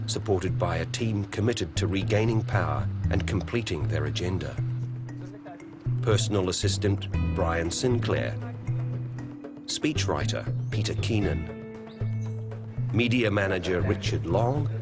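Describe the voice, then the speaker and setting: Deep-voiced New documentary narrator. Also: male voice.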